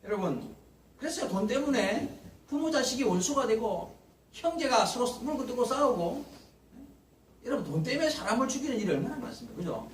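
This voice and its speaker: Male pastor, high lively delivery, preaching from a distance in an echoey sanctuary with faint hiss. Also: a little fast. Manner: animated preaching, acting out Bible figures' lines. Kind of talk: Sunday morning sermon. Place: church sanctuary. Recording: roomy church echo, mic at a distance, faint hiss.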